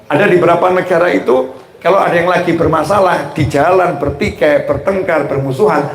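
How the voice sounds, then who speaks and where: Animated preacher, high voice. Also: male voice, a little fast. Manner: animated, call-and-response with the congregation. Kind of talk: sermon. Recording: roomy echo.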